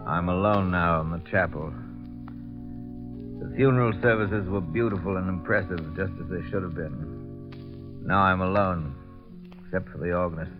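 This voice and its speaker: Man acting bomb-disposal captain, low voice, brooding narration, dull old radio sound, faint organ music. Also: normal speed, pauses often, close to an everyday voice.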